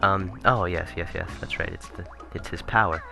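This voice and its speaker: A man commentating casually on a video game he is playing, rambling and correcting himself, his voice turning raspy. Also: low voice, fairly even intonation, moderate pace. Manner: rambling, self-correcting, chuckling asides. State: voice getting raspy. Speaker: let's play commentator. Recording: game music playing behind.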